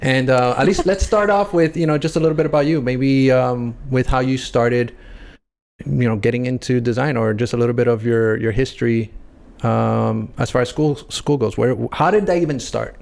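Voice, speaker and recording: Young guy co-host, gravelly voice, chill and easygoing, lots of ums. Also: mid-range voice, normal speed, darkish tone. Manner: laid-back, prompting questions with fillers. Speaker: podcast co-host. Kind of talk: casual chat.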